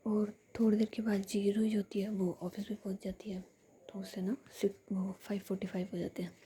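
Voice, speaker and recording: A woman tells a long story in a soft, continuous whisper. Her voice is dark and mellow, with noticeable vocal fry. A faint hiss runs underneath. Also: mid-range voice.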